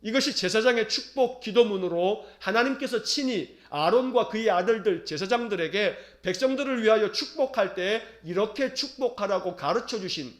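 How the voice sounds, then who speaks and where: A man pastor preaching a sermon in an earnest, solemn way, with slow and tender quoted words. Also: high voice, expressive, roomy sound.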